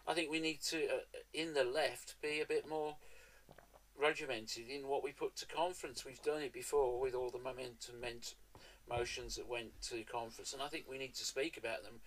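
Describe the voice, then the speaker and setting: A man speaks as a guest activist in a panel conversation. His voice is bright and forceful at a medium pitch, and his delivery halts and repeats in places. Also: steady tone, normal speed, a little hiss or hum, low-quality recording.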